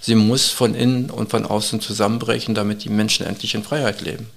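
A man with a low, gravelly voice speaks as an expert guest in an interview. He is earnest and urgent, and he builds his points in measured phrases broken by frequent hesitations and restarts. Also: level tone, a little hiss or hum.

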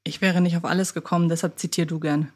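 A woman's voice: on the low side, flat delivery, fast, darkish tone. A woman co-hosting a podcast, chatting casually and addressing listeners. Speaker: podcast co-host. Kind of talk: casual chat and listener thanks.

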